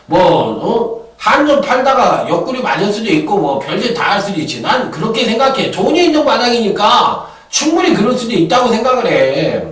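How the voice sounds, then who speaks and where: A man giving horse racing betting tips in a loud, profane manner, often acting out voices and chants. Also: high-pitched. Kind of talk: casual betting tip broadcast. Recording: echoey, from far off the mic.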